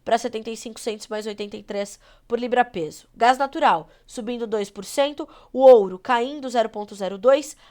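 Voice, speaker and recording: Brazilian lady anchoring live farm news, congested nasal voice, slightly high, rattling off prices. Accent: Brazilian Portuguese. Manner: brisk, reads prices in a steady run. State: congested from a cold. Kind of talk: live market news broadcast.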